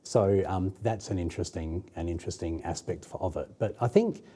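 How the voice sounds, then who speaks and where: A man's voice: low voice, fairly quick, mellow. A man with an Australian accent, a singer being interviewed, friendly and thoughtful with many ums. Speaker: opera singer guest. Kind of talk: casual interview chat.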